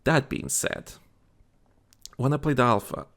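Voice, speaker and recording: A man's voice: mid-range voice, lively intonation, unhurried, fairly bright tone. A tired man co-hosting a casual gaming chat show, rambling with many restarts and fillers. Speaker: podcast co-host.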